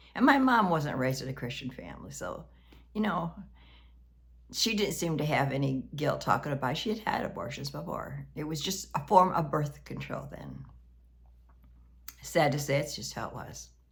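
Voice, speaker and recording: A woman with an American accent speaks at a moderate pace, leaving long, frequent pauses. Her loudness swings widely amid audible room echo. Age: 80s+. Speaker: vlogger. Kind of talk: personal storytelling. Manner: unscripted, conversational.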